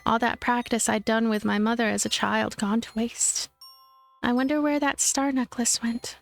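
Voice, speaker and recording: A woman let's player reading a visual novel aloud in expressive narration, with game music behind her. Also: on the high side, normal speed, vocal fry.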